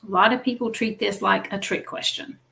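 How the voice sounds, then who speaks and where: A woman's voice: mid-range voice, steady tone, brisk, gravelly, pushed and bright. A woman hosting a weekly business livestream, coaching viewers in an encouraging teaching style and often checking in with "okay?" and "right?".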